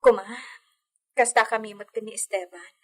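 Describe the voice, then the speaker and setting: A woman playing a young pregnant lady of a villa, gentle and anxious, asking worried questions. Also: mid-range voice, fairly even intonation, normal speed, close to an everyday voice. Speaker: mistress of the villa. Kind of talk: amateur audio drama acting.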